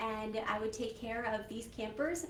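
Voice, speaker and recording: A woman's fairly high voice in an American accent, with noticeable background noise and audible room echo. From New Jersey. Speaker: speaker giving testimony. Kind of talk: testimony. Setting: women's meeting, livestreamed.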